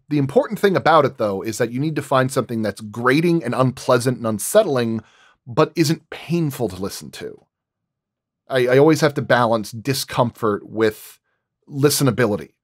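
In a roundtable, a sound designer thinks aloud about his craft, repeating and rephrasing as he explains. His medium-pitched voice is animated and normal in speed, captured dry with studio quality.

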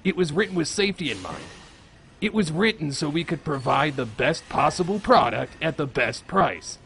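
A man acts a by-the-book grocery manager in a comedy radio sketch, exasperated and insistent. His voice sits a bit high, moves animatedly and creaks, with faint ambience behind. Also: very animated, moderate pace, a bit bright, a little hiss or hum, exaggerated voice. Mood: earnest, patient. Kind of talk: comedy audio sketch acting.

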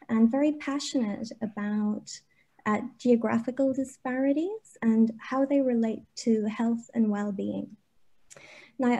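A woman's voice: fairly high pitch, mellow, rough recording. Irish woman presenting on a video call. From Ireland. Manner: measured, with frequent uh fillers. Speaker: academic researcher presenter. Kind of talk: webinar presentation. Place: home or office on a video call.

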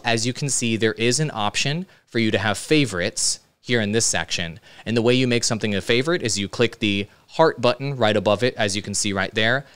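A man's voice: fairly low pitch, a bit bright, clear, resonant tone. A man, giving casual, emphatic step-by-step instruction as a tutorial host, checking in with listeners. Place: indoor studio with computer.

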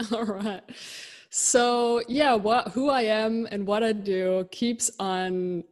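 A woman's voice: medium pitch, steady tone, slow pace, darkish tone. A reflective woman from southern Germany, a native German speaker, chats easily in English as a podcast guest over a video call. Her voice sits mid-range, and a long reverb trails her words from the room. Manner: reflective, easygoing, laughs often. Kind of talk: casual interview chat. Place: home room, indoors. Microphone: video call with desk microphone.

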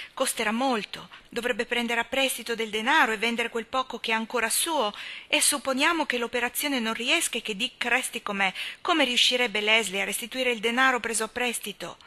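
A woman's voice: fairly high pitch, fairly quick, pushed and bright, voice pushed up. A woman reading aloud, voicing a passionate, stubborn young woman who pleads and argues insistently. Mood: worried. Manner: impassioned, insistent. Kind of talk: audiobook character reading.

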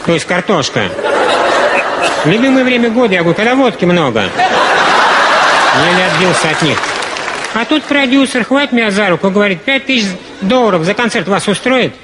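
A man performing a comic monologue on stage, telling it deadpan and slipping into characters' voices. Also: high voice. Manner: deadpan storytelling with quick shifts into voiced characters. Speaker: stand-up comedian. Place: stage before a live audience. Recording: loud crowd and noise of a live show. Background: laughing audience.

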